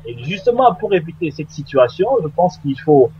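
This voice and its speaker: A man's voice: on the high side, sing-song, normal speed, mellow. Earnest man on a lo-fi radio line. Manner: earnest, hesitant with many fillers. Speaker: debate guest. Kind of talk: radio debate call-in. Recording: dull lo-fi radio line with faint noise.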